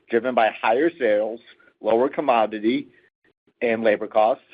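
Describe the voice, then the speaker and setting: Man reading finance results, muffled line. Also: mid-range voice. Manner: steady formal reading. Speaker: finance executive. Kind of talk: scripted earnings call remarks. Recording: muffled conference call audio.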